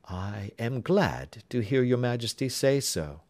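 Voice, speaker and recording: A man's voice: mid-range voice, big pitch swings, unhurried, darkish tone, pitched above the performer's own voice. A man reading as a cool, precise detective, formal and restrained.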